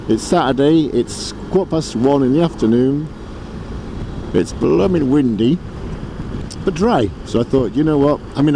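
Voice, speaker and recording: A hoarse man with a cold, rambling and laughing at himself while he vlogs from his motorbike outdoors. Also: medium pitch. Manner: self-deprecating, chatty, laughs often. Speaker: motorbike vlogger. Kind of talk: rambling casual vlog. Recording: wind noise outdoors.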